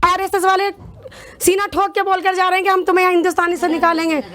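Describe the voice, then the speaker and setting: A woman's voice: very high-pitched, little pitch movement, fast talker, fairly bright tone. A woman interviewed in the street, speaking in an impassioned, pleading way. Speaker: riot victim interviewee.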